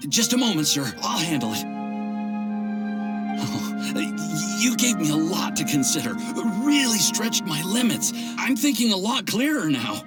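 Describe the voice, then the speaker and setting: A man's voice: sits high, very animated, unhurried. An actor playing an eager, deferential young male alchemy apprentice who speaks earnestly and respectfully. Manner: earnest, respectful, calls his mentor sir. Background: game music.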